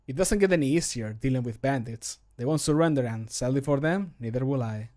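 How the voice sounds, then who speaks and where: A grim, resolute male adventurer from a fantasy game, acted by a man close on the microphone. He speaks at a medium pitch in measured, solemn phrases that drop away at the end. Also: darkish tone, lightly acted. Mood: grimly resolute. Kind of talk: scripted video game voice line. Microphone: close studio microphone.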